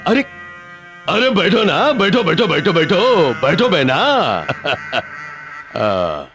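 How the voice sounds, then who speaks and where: An actor dubbing a cruel, gloating gangster who mocks his victims slowly and laughs with menace. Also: a little high, very animated, full character voice. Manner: mocking, slow, laughing menace. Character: gloating cruel male gangster called RDX. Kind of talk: Hindi film dub. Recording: film soundtrack with loud music.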